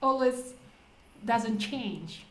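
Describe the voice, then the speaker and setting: A woman with a high voice and a Japanese accent hosts a conversational language lesson. She explains step by step and poses questions along the way. The sound is echoey and roomy. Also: expressive, very slow. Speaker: host leading English conversation practice. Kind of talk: casual explanatory lesson talk.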